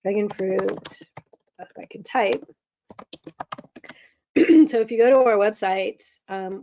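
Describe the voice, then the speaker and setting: A woman presenting a software demo in a webinar, halting with many ums, her voice going hoarse as she keeps clearing her throat. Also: medium pitch, dry recording. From California. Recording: dull, lo-fi webinar audio.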